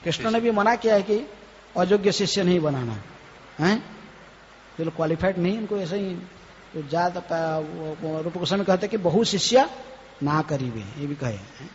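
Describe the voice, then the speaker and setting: Man, swami, devotional lecture, high voice, questioning "hain?" tags, long hall reverb. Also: expressive. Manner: punctuates phrases with a questioning "hain?"; chants scripture verses slowly. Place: temple hall. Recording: reverberant hall, dull lo-fi, faint noise.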